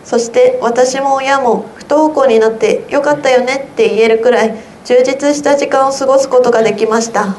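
A teenage high school girl reading her own essay aloud in an earnest, measured way for a radio broadcast. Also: fairly even intonation, darkish tone, slight background noise. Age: teens. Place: radio studio.

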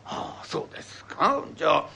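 A man's voice: moderate pace, background noise, lightly acted. A man voicing a prim old wife who firmly refuses her husband, in a rakugo story. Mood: firm, scolding. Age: older. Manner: firm, scolding.

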